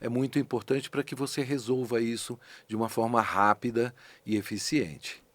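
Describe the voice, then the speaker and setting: A middle-aged man with a Brazilian Portuguese accent, a voice actor being interviewed in a studio, speaking thoughtfully and with lively emphasis. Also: medium pitch, moderate pace, dry recording. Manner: thoughtful, animated, with frequent restarts and rising emphasis. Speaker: voice actor and dubbing director, guest. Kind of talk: casual conversational interview. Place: podcast studio.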